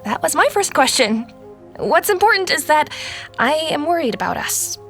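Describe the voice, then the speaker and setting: A sixteen-year-old girl in an audio drama, with a very high, youthful voice. She is earnest, idealistic and outspoken, pushing her point hard. Faint music sits behind her. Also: big pitch swings, moderate pace, fairly bright tone, full character voice. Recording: music under the voice.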